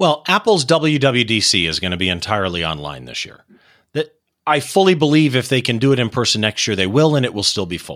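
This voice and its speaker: On a very clean recording with a silent background, a man of medium pitch talks at a fairly quick pace with vocal fry and very wide pitch swings. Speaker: photographer and podcaster. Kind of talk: casual chat. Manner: clears throat repeatedly.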